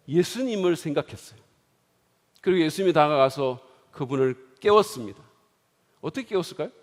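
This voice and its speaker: A middle-aged man preaching a sermon in a church, swinging dramatically from hushed, quiet lines to loud exclaiming. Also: sits high. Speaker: pastor. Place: church sanctuary. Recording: long hall reverb.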